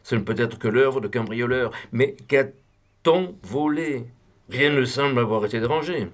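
A man voicing an impassive male army major in an audiobook, calm and measured. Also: mid-range voice, pitched above the performer's own voice, natural voice.

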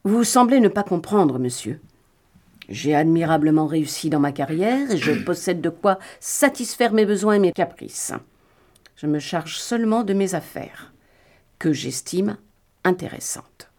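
A woman's voice: fairly low pitch, expressive, measured pace, a little mellow. A woman reading the part of a proud, middle-aged male detective who speaks in a courteous, formal and coolly dismissive way. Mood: aloof.

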